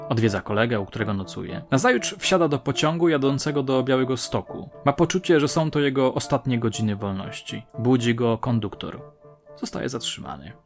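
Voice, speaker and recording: Measured male true-crime narrator. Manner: measured, dramatic storytelling with low dropping phrase ends. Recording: faint music bed under the voice.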